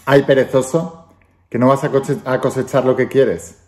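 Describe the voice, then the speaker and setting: A man's voice: mid-range voice, steady tone, normal speed, a little mellow. Emphatic preachy man. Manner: emphatic, preachy, repeats phrases for effect. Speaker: motivational speaker. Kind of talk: direct-to-camera motivational talk. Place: indoor room with wooden ceiling and windows. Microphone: phone camera held close.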